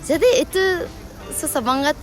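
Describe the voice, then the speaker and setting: A Japanese woman speaking Indonesian as a foreigner with a Japanese accent, in simple, halting phrases in a casual interview. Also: high voice, over music.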